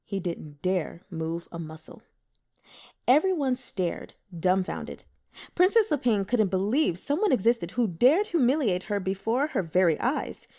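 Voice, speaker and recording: A woman narrating a novel as an audiobook with expressive storytelling. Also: mid-range voice, measured pace. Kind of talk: scripted narration.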